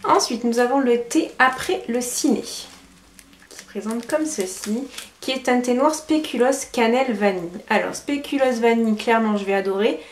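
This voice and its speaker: A woman vlogger chatting through a casual product review, hesitant with fillers and quick self-corrections. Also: on the high side. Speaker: lifestyle vlogger. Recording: roomy echo, faint background noise.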